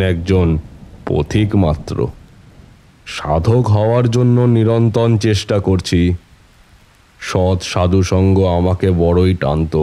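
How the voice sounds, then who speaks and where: অভিনেতার কণ্ঠে ধীর, গম্ভীর গলার তান্ত্রিক গল্পকথক পুরুষ. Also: male voice, sits low, warm tone. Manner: unhurried, reflective raconteur addressing listeners. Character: reminiscing seasoned tantric storyteller, worldly wandering holy man. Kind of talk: scripted audio-story narration in character.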